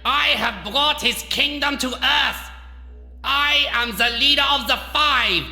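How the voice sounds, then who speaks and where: An actor playing a smug, deranged doctor villain in a video game, with a pompous, over-enunciated, grandiose delivery. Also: male voice, medium pitch, huge pitch swings, slow, sharp tone, full character voice. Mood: grandiose rage. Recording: echoey reverberant hall, faint music behind.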